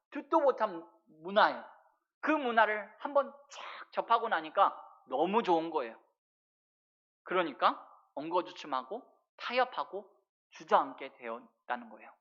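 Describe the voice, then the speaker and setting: A woman's voice: mid-range voice, muffled recording. A woman pastor preaching a sermon, often turning to the congregation with rhetorical questions.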